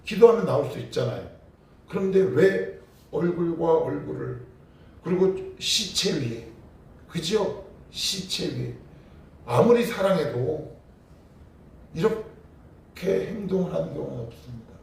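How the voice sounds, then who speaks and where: A man's voice: fairly high pitch, lively intonation, measured pace, gravelly, pauses often. A male pastor preaching at a morning prayer meeting, acting out cries to God. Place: church sanctuary. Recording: very echoey hall, distant mic.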